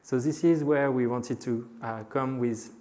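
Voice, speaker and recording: A middle-aged man with a French accent presents at a conference, speaking to the audience in front of him. He hesitates often and fills pauses with drawn-out "uh" sounds as he gathers his thoughts. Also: medium pitch, fairly even intonation, mellow. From France. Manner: frequent hesitations with many "uh" fillers; addresses a live audience. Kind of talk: conference talk.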